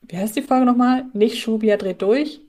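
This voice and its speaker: A woman's voice: on the high side, normal speed, a little mellow. A woman co-hosting a podcast, thinking aloud in a casual, conversational way. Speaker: podcast co-host.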